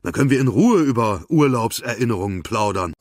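A man's voice: medium pitch, animated, a little fast, a little mellow, no echo, clean studio sound, voice pushed up, lightly acted. A man reading an audiobook, voicing a cornered man who answers defensively and sarcastically.

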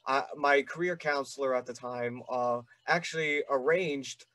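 A man's voice: medium pitch, unhurried, bright, forceful tone, no room sound. A young man hosting an interview, asking long rambling questions with eager fan enthusiasm. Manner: rambling, many fillers and restarts, eager fan. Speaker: podcast host.

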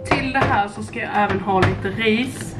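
Loud music nearly competes with this young Swedish woman's mid-range voice as she chats her way through a casual cooking vlog, full of fillers. She's in her twenties, filmed in a small home kitchen by a counter-top camera placed slightly away. Expect echo and audible noise.

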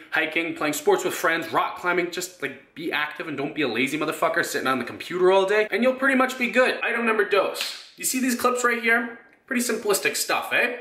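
A man's voice: high-pitched, pushed and bright. A young man coaching fitness in a blunt, emphatic, casually sweary vlog style, speaking to camera indoors. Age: young adult. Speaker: fitness coach and video host. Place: indoor rooms at home. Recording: echoey indoor room.

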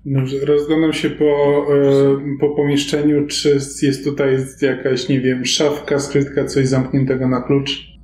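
A man's voice: mid-range voice, completely flat delivery, measured pace, darkish tone, slight background noise. A man talking casually and a little hesitantly as a player in a tabletop role-playing game. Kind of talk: casual role-play chat. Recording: roomy echo, faint music. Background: music.

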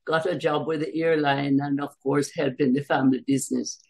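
An older woman from Jamaica recounting her family history in an interview, hesitantly, with long pauses, on a video call from a room at home. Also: deep voice, steady tone, creaky, a little mellow. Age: older, around 70s. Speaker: interview guest, author. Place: small bright room at home, indoors. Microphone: computer mic on a video call.

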